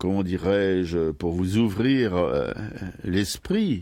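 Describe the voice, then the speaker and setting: A man speaks with a very deep, low pitch and a dark, mellow tone. His pace is very slow, on a very clean recording with a silent background. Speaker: radio host. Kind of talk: radio talk show. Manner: halting.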